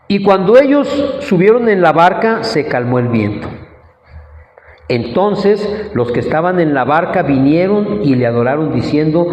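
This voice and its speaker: Slow high-voiced man preaching in a hall. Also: darkish tone. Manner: questions the congregation, acts out quoted lines. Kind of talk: sermon. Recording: echoey hall, dull lo-fi sound.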